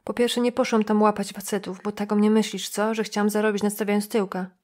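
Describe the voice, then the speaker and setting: Lady reading a sulky defensive young girl, quiet and resentful. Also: medium pitch, little pitch movement, fairly quick, close to an everyday voice.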